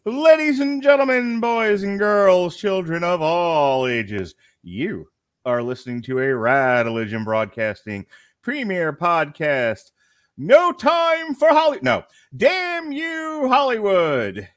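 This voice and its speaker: A man playing a bombastic ringmaster announcer, grandly introducing a podcast in drawn-out showman style. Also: sits high, sing-song, fairly bright tone, no room sound, clean studio sound, pitched above the performer's own voice, heavily acted. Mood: grand, showy. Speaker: podcast host.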